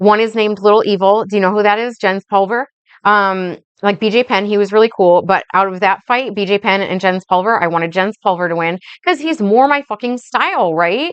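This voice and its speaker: This is an ordinary speaking voice. It moves at a fairly quick pace with ordinary pitch variation. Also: woman, medium pitch for a woman. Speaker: spiritual coach and vlogger. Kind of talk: casual vlog monologue.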